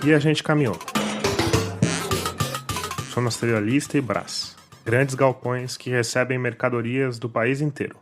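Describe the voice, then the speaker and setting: A man's voice: medium pitch, steady tone, a little slow, long pauses. A Brazilian man hosting a podcast, reading scripted documentary narration over a music bed.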